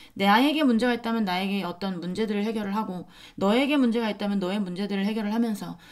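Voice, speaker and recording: A woman in a Jeolla accent at a very fast pace, medium in pitch with ordinary pitch variation. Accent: Jeolla dialect features. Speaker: tarot reader. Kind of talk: tarot reading monologue to viewers. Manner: casual, with many fillers and repetitions.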